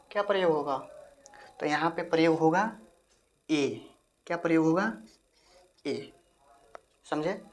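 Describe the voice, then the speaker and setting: A woman with a deep, low-set voice teaches a grammar lesson. She repeats each point and keeps asking the viewer questions as she goes. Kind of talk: classroom-style grammar lesson.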